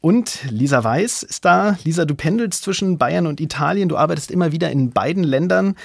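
Husky, lively male radio host. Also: a little high, a little fast, dry recording, clean studio sound. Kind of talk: radio talk show moderation. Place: radio studio.

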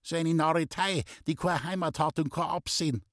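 A man reading an audiobook, voicing a sharp-tongued old village mother in a Bavarian accent, fussy and scolding. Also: fairly high pitch, normal speed, no echo, studio quality, voice pushed up, lightly acted. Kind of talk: audiobook character voice.

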